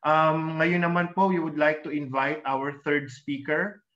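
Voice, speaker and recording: A Filipino-accented man in his thirties moderates formally with some hesitation. His voice sits a little high, and the video-call sound is somewhat muffled. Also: flat delivery, a little slow, fairly bright tone. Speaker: moderator of an online press briefing. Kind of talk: formal hosting. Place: indoor room, on a video call. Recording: dull video-call audio.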